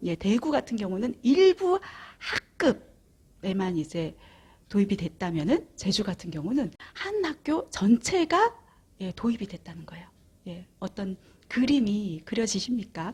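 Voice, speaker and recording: A somewhat breathy woman at medium pitch, fairly slow, with very wide pitch swings and big swings in loudness. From Jeju, eastern Seongsan area. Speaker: parent content creator. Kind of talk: informational commentary video. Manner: frequent fillers, conversational.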